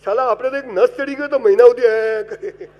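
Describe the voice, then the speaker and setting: Male motivational speaker, high-pitched, lively comic storyteller whose loudness jumps and drops as he talks to the crowd. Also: fairly quick. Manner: animated comic storytelling with wide swings in loudness; addresses the audience directly and gives advice. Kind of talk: humorous motivational speech.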